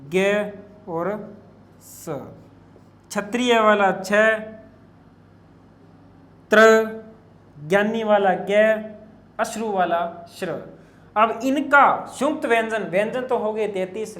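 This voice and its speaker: Male grammar tutor, high register, measured exam-prep lecture in a roomy, echoey space. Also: a bit bright. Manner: slow and explanatory, spells out letters piece by piece; addresses students as children, asks and answers his own questions. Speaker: Hindi grammar teacher.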